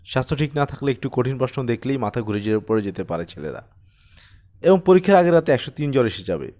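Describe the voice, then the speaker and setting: A man's voice: mid-range voice, very animated, quick pace, dark tone, natural voice. Man putting on a meek, eager old schoolteacher. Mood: earnest, eager. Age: older. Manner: deferential, pleading, eager. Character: meek, earnest, eccentric elderly male exercise teacher.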